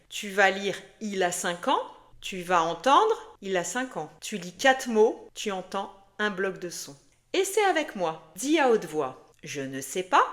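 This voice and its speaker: A woman giving a scripted French lesson, speaking slowly and clearly and addressing the learner directly. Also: a little high. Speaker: French teacher.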